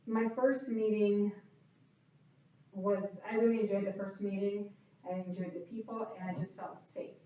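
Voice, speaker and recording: Woman answering in short, halting phrases. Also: medium pitch, fairly even intonation, dark tone, a little hiss or hum. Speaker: club member interviewee. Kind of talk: interview answers. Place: club meeting room. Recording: roomy, distant, dull sound.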